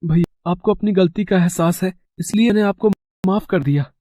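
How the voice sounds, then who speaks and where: A man's voice: high-pitched, normal speed, no room sound, studio quality, lightly acted. A man voicing a kind, honest young brother. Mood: earnest. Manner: earnest and gentle.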